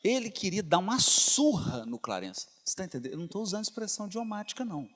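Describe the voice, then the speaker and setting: A man's voice: sits high, sing-song, quick pace, fairly bright tone. A man giving a spiritist lecture, telling a story with rhetorical questions to the audience. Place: lecture hall. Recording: reverberant lecture hall.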